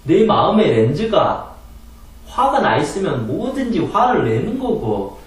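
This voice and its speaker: A man lectures on meditation and letting go of anger, speaking in an earnest, explanatory way with rhetorical questions. His pitch moves a lot as he explains. He is heard from a distant mic in a very echoey room. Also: sing-song, unhurried. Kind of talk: spoken lecture on calming anger.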